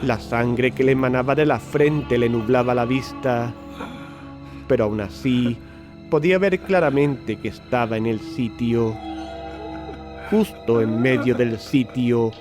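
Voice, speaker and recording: A man's voice: mid-range voice, measured pace. A man reading scripted, dramatic horror narration as the narrator of an audio drama. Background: loud music.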